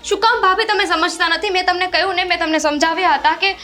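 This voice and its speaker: An actress voicing an ill, stubborn young woman who snaps back defensively. Her voice is very high and bright. Soft music plays behind her. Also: fairly even intonation, fast. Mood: agitated. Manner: defensive, agitated. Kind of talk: family drama acting.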